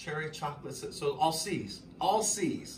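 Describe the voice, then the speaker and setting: A man speaks at a fairly slow pace with ordinary pitch variation, his voice carrying audible room echo over light background noise. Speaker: home coffee reviewer. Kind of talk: casual tasting commentary. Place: kitchen. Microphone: camera far.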